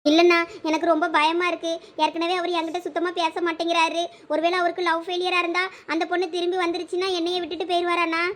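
A woman's voice: very high voice, completely flat delivery, fast talker, few pauses, a bit bright. A woman playing a chatty young village wife. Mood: pleading. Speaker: skit actor playing a young wife and her sister-in-law. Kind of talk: village family comedy skit.

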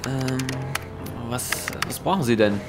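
An actor playing a laid-back, flirty police technician in a German audio drama, wry and teasing. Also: male voice, medium pitch, expressive, a little slow, over music, natural voice.

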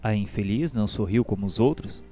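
A man's voice: lowish voice, fairly quick. A man giving scripted, formal and solemn narration for a radio drama. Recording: music behind the voice.

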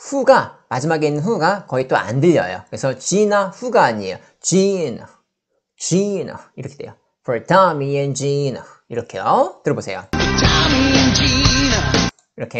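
A woman with a Korean accent, teaching the pronunciation of pop song lyrics. She says each phrase slowly and breaks it apart to show how the sounds join. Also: a bass voice.

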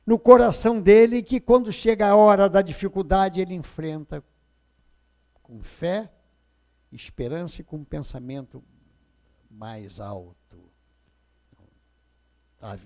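A man's voice: fairly high pitch, a little mellow. Older Brazilian man giving a spiritist talk. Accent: Rio de Janeiro Portuguese. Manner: storytelling, repeats key phrases, asks the audience questions. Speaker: lecturer at a spiritist center. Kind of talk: public religious talk. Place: small indoor hall.

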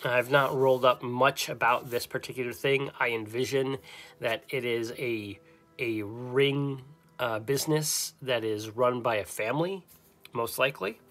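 A man's voice: mid-range voice, unhurried, fairly bright tone, faint music behind. A man narrating a solo tabletop game as his own game master, thinking aloud and hesitating often.

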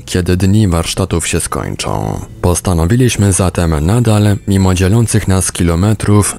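A man's voice: deep voice, darkish tone. A man reading a book aloud as scripted narration. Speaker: audiobook reader.

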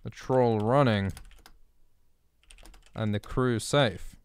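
A man's voice: medium pitch, extremely slow, clean tone. A man voicing a curt, assertive young woman mechanical officer in a story he is writing, speaking in a clipped, firm way. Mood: insistent.

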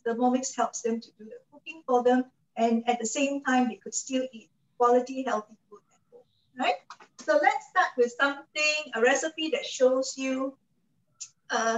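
A woman's voice: sits high, echoey room, distant mic, highs cut off. A woman in her forties with a Malaysian English accent presents a kitchen appliance on a video call from her home kitchen, chatty and persuasive, often checking in with the audience. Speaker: cooking show host and product advisor. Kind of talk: product presentation to an online audience.

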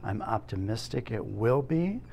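A man's voice: fairly low pitch, lively intonation, unhurried, creaky, a little mellow, slight background noise. A man in his fifties giving an interview answer in a confident, reassuring way. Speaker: library director. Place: indoors among bookshelves.

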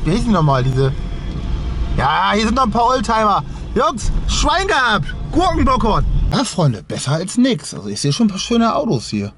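A man's voice: high voice, huge pitch swings, moderate pace, fairly bright tone. A young man, chatting casually to the camera as a car vlogger, first while driving and then walking around a rainy car meet. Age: young adult. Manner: chatty, frequent tag questions "ne?". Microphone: handheld camera at arm's length. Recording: clear road and street noise behind.

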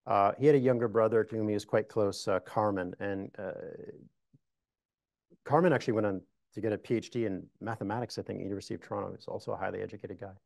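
Middle-aged guy historian at a lectern, lowish voice, dry close sound, thoughtful and measured. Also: vocal fry, a little mellow, no echo. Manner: measured, thoughtful, frequent restarts. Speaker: historian giving a talk. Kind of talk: lecture Q&A answers. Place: meeting room with an audience.

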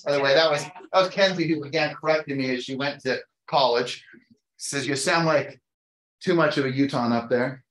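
A man's voice: mid-range voice, moderate pace, a bit bright. A middle-aged American man from Utah giving a motivational training talk, emphatic and conversational with frequent rhetorical questions. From Utah, United States. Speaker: real estate sales trainer. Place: indoor training room with whiteboards. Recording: echoey room.

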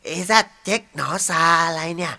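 A man voicing a curious, mischievous ladybug sidekick who eagerly plots in hushed tones. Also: on the high side, moderate pace, vocal fry, heavily acted. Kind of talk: cartoon voice acting.

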